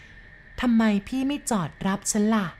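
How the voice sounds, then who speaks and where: A woman voicing a vengeful young female ghost with a thin, high, chilling voice that coaxes slowly. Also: darkish tone, slight background noise, close to an everyday voice. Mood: eerie coaxing. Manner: slow, coaxing.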